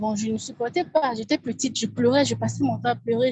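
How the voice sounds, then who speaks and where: A woman's somewhat breathy voice sits at a fairly high pitch. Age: 20s. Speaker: anonymous witness of domestic violence. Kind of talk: testimony.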